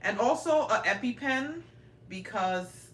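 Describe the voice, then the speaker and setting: Speaking slowly, with a fairly high, slightly bright voice and lively intonation, a woman in her forties from Brooklyn, New York, livestreams a casual tour of her home. She holds her phone and keeps chatting directly to viewers. Her small indoor rooms make the audio roomy, with faint noise.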